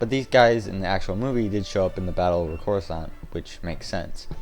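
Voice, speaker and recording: Against music in the background, a man with a fairly low voice speaks at a very fast pace. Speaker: YouTuber. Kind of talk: video game commentary.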